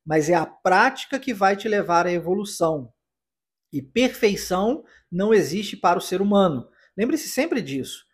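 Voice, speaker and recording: A Brazilian English teacher with a husky voice, patiently explaining pronunciation step by step in a podcast lesson. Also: mid-range voice, animated, normal speed. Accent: Brazilian Portuguese.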